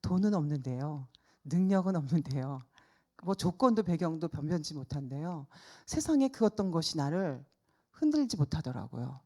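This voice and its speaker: A middle-aged woman evangelist preaching a sermon through a personal story, told in a lively way with the voices of the people in it acted out. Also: deep voice, moderate pace. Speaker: evangelist preaching at a church service.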